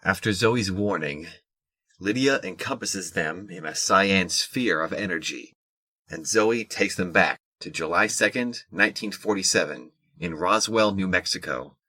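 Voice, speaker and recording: A man narrating a scripted audio drama in a measured, descriptive storytelling manner. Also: sits low, pushed and bright, breathy edge, no echo, rough recording.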